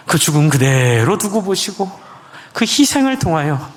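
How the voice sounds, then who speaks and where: A man's voice: very animated, normal speed, long reverb tail. Earnest, emotional male pastor preaching. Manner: emotional, earnest storytelling, pitch jumps high when exclaiming. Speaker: senior pastor. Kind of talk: sermon with personal testimony. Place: church sanctuary.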